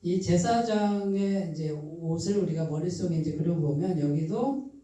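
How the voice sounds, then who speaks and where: A pastor with a Chungcheong accent gives a midweek sermon. The pastor keeps putting questions to the congregation, answers them, and repeats key phrases slowly and softly for emphasis. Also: medium pitch. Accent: Chungcheong Korean. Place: church sanctuary. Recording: very echoey hall, voice from a distance.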